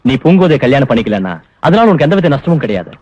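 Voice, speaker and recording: A bullying young village landlord's son who makes gruff threats. His husky, mid-pitched voice sits dry and close, with no room around it. The soundtrack sounds dull and muffled. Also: very animated, rapid-fire, darkish tone, dry recording. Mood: pleading. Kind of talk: 1990s film dialogue. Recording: dry, dull film audio.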